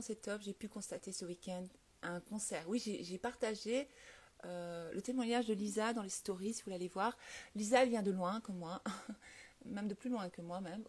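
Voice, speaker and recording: Lively French woman chatting on a live stream. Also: medium pitch, breathy edge. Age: adult with children. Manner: lively, laughs often, many fillers. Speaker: host of a live stream on the law of attraction. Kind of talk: casual live chat answering viewer comments.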